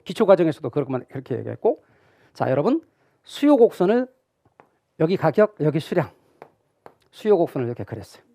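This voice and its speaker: A man's voice: fairly high pitch, mellow, no echo, clean studio sound. A middle-aged man giving a classroom lecture, asking his students questions and answering them himself. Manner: acts out imagined student questions. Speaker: real estate exam lecturer.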